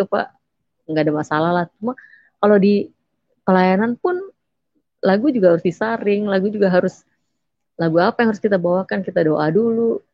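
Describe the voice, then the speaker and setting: A woman's voice: lowish voice, no room sound, muffled recording. A middle-aged woman and church singer telling her personal testimony in casual talk, repeating phrases and livening up when she quotes others.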